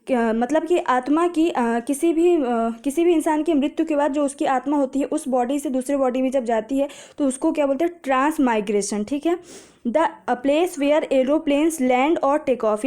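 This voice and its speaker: A woman tutor runs through vocabulary for an exam, her voice high-pitched yet soft and dark in tone. She poses each question and answers it herself, linking words to easy memory tricks. English phrases come slowly and carefully. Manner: explains patiently with memory tricks, asks and answers own questions. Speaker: exam prep teacher. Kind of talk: vocabulary lesson.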